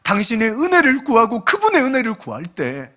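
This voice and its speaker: A pastor in his late forties preaching a sermon, his voice swinging widely up and down as he tells stories. He is animated and humorous, slipping into other people's voices as he talks. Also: extremely high pitch, fairly quick. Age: late 40s. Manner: animated, humorous storytelling that acts out quoted dialogue. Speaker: guest pastor.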